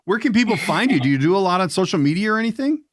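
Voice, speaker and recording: A man hosts a casual interview podcast with a lively, swooping delivery. He often restarts phrases and hesitates mid-thought. The sound is close and dry. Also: high-pitched, rapid-fire, dry recording. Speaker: podcast host.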